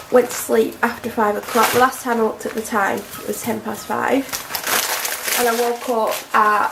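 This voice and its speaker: A woman's voice: fairly high pitch, gravelly, heavy background noise. Congested woman vlogging at home. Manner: rambling, self-deprecating, chatty. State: congested, snotty from a cold. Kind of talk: casual chatty vlog to camera. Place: at home, indoors. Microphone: camera mic.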